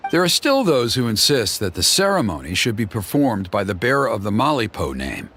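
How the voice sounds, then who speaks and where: A silver-tongued tribal elder. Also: male voice, fairly low pitch, fairly quick, a little hiss or hum. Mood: smooth. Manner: suave, flattering, persuasive. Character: smooth-talking, scheming male tribal elder. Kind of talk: game voice acting. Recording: game music behind.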